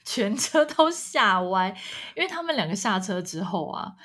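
A woman co-hosting a casual chat podcast, telling a story with lively delivery and acted-out quotes. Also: mid-range voice, moderate pace. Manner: animated, acts out quoted voices. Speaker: podcast co-host.

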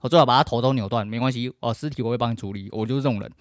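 A middle-aged podcast host with a Taiwanese Mandarin accent goes on a blunt, profane, emphatic casual rant. His medium-pitched voice comes rapid-fire, recorded with clean studio sound and no room echo.

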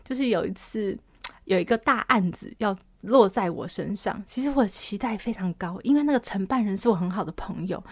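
A woman podcast host and counselor, telling a personal story in an animated way, often laughing and moving between soft and loud. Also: mid-range voice, brisk, slightly rough, no room sound.

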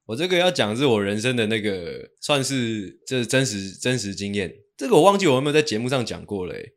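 一位带台湾口音的年轻男播客主持人，说话粗口多，爱调侃，讲到激动处会拔高嗓门。. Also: male voice, mid-range voice, sing-song, quick pace. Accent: Taiwanese Mandarin. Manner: crude, teasing, gets heated. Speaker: podcast co-host. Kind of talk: casual banter.

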